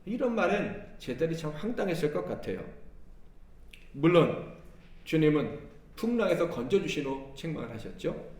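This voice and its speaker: A Korean pastor preaches a Sunday sermon with a lively voice that rises and falls. He acts out the lines of the story and keeps putting questions to the listeners. He sits somewhat high in pitch and sounds distant in an echoey church hall. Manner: animated preaching that acts out Jesus' and the disciples' words; asks the congregation questions. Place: church sanctuary.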